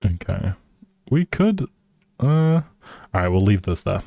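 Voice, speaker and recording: A man's voice: on the low side, very animated, takes it slowly, gravelly, dark tone, dry recording. A man live streaming a game, chatting casually with viewers in a friendly, rambling way as he thinks aloud. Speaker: live streamer playing a life simulation game. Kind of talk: casual gameplay chat with viewers.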